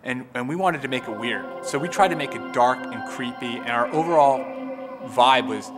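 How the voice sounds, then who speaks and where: A man who co-created a game, reflecting in a documentary interview, halting and repeating words as he thinks. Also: medium pitch. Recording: reverberant room with faint music.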